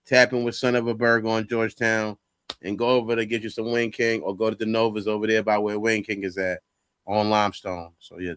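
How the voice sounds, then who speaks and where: A man's voice: on the low side, a bit bright, smooth, dry recording. A man hosting a casual talk show, chatting loosely and reading out headlines and comments. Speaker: host.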